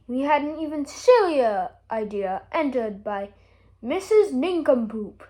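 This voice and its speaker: A woman's voice: sits high, very animated, measured pace, dark tone. A woman voicing a pompous king from a children's storybook, announcing in a grand, declamatory manner. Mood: ceremonious. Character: pompous, ceremonious male king of a nonsense land.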